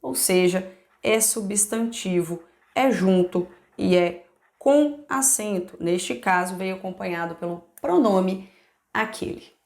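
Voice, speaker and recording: A woman's voice: medium pitch, slow, darkish tone, echoey room. A Brazilian woman teaching an upbeat online exam-prep grammar lesson, often checking in with her viewers. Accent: Brazilian Portuguese.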